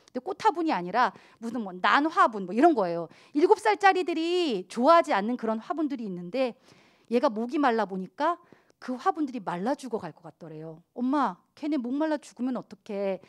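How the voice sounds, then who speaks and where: A middle-aged woman pastor preaching a youth sermon, animated, acting out the voices of children and church members as she goes. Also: on the high side.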